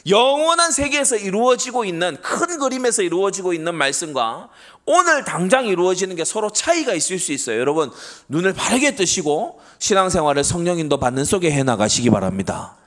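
A middle-aged pastor preaches a Sunday sermon to his congregation in a high-pitched, sing-song, fairly bright voice at a brisk pace. Earnest and emphatic, he often poses rhetorical questions and then answers them.

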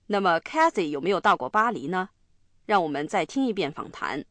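Bright-voiced woman teaching English. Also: lowish voice, sing-song, brisk, no room sound. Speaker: host of English lesson. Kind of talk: scripted lesson narration.

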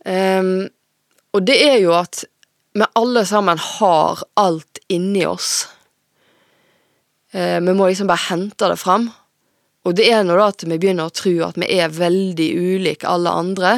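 A woman author speaks with a low, gravelly voice. She reads her novel aloud and answers questions with many pauses and fillers. The sound is dry and close. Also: fairly even intonation, dry recording. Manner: hesitant, many fillers when talking freely.

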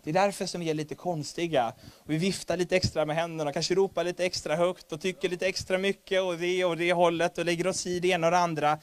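A man preaching a sermon, animated and humorous, rising to loud emphasis. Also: high-pitched, clear, resonant tone, no echo.

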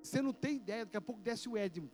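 High-voiced pastor telling a story. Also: male voice, racing, faint music behind. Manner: animated, vivid storytelling with sound effects. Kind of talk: storytelling sermon.

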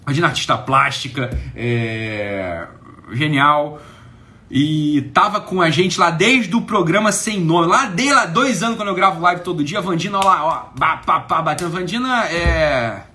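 An unhurried Brazilian-accented man hosts a live stream, his high-leaning voice bright, expressive, and forceful. His talk is casual and emphatic, peppered with swearing and constant questions about whether you get it.

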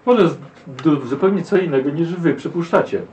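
A man's voice: a little high, moderate pace, a little mellow, far from the mic, dull audio, natural voice. A man voicing a polite, tipsy male elf who speaks formally and courteously.

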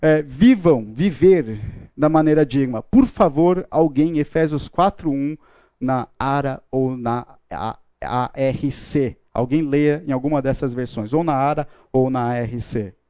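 A man's voice: mid-range voice, a little slow, dark tone, no echo, highs cut off. A man teaching a Bible class, joking and playful with his students. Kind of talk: classroom lecture. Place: classroom with a live audience.

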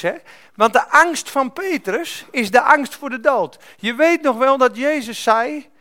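High-voiced fervent male preacher. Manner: emphatic storytelling preacher who builds to loud, fervent peaks. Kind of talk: sermon.

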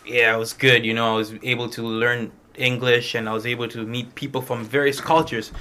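A man's voice: medium pitch, level tone, brisk, bright, forceful tone, slight background noise. A young man, telling his own story to a small group in an informal, conversational way. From Malawi. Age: young adult. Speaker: international student speaker. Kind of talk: personal testimony to a small group.

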